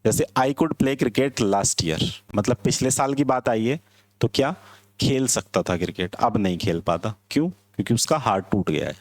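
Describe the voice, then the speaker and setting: A man teaching English in a classroom lecture, explaining slowly and asking his students whether they understand. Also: medium pitch, expressive, dry recording.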